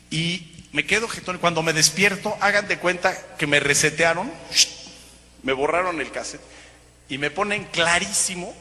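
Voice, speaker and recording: A man's voice: on the high side, bright, forceful tone. A Mexican man, a broadcaster, tells a joking, self-mocking personal testimony to an audience in a large hall. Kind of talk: humorous testimony storytelling to an audience.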